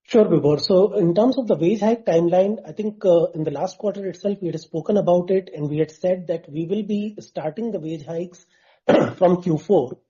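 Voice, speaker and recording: A male finance executive, his voice very mellow and rough-edged. He speaks in a measured, formal way on an earnings call, with occasional restarts. The line sounds muffled. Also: high voice. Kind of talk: unscripted earnings call answers. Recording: dull, muffled conference call audio.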